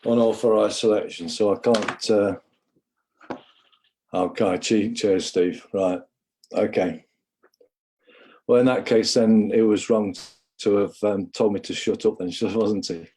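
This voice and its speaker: A man's voice: on the low side, steady tone, measured pace, pauses often, mellow, breathy edge. A man from England giving a rambling, impassioned livestream monologue, often calling viewers "guys".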